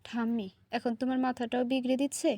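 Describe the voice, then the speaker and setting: A woman's voice: a little high, little pitch movement, fairly quick, warm tone, no room sound, studio quality, close to an everyday voice. Woman voicing a patient teasing young husband. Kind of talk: storybook reading.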